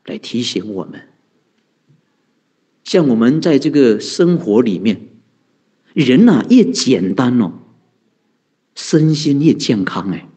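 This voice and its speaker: A man's voice: medium pitch, sing-song, slow pace, pauses often, dark tone, slightly rough. A man, a Buddhist monk giving a conversational dharma talk, asking rhetorical questions and answering them, chuckling often. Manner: chuckles often, heavy use of sentence-end particles.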